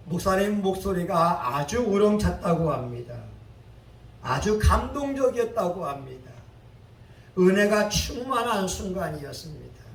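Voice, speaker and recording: A male pastor delivering a sermon, building up to loud, dramatic exclamations. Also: high voice. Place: church sanctuary. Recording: echoey church hall, mic at a distance, faint ambient noise.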